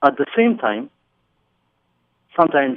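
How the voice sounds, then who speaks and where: A man with an Eritrean accent speaks at a fairly high pitch. His intonation is lively. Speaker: author. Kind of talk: radio interview. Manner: hesitant, with fillers.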